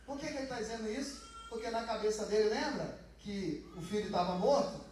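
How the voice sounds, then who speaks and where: High-voiced pastor preaching in echoey church. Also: male voice, brisk, darkish tone, far from the mic, a little hiss or hum. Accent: Brazilian Portuguese. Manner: conversational preaching, acts out quoted blessings. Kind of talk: sermon. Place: large church hall.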